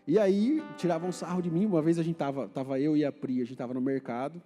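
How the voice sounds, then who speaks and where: A man from Paraná preaching a sermon with a Paraná accent, chatty and anecdotal, quizzing the congregation and building to forceful exhortation. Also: a little high, steady tone, fast talker. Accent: Paraná Brazilian Portuguese, rolled R. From Paraná, Brazil. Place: church hall. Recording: reverberant church hall with faint music.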